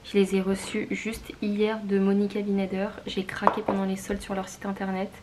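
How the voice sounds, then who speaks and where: A young woman talks casually to her viewers. Her pitch is mid-range and stays quite even, and she sounds informal and confiding. There is slight noise behind her voice. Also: normal speed. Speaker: vlogger. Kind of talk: casual chat to camera.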